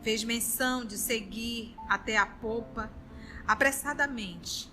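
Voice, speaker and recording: A woman leading a study group, chatting warmly and then reading a novel aloud. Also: on the high side, slow, soft background music, poor audio. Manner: warm, chatty and lively between passages.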